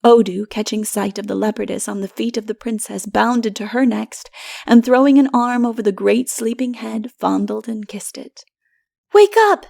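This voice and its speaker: A woman narrating literary fantasy as a dramatic audiobook, expressive and theatrical, sometimes dropping to hushed phrases. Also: mid-range voice, moderate pace, creaky, dry recording, studio quality.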